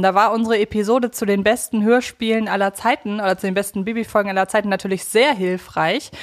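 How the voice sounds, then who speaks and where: A woman hosting a podcast in a conversational style. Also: fairly high pitch. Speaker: podcast host.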